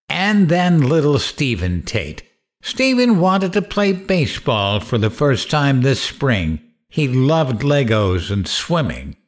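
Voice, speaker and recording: A man playing a mad, grieving radio host out for revenge in an audio drama, taunting in a theatrical, deliberate way. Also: medium pitch. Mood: bitter, grieving. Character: mad, vengeful, grieving male late-night radio host. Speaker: radio show host character.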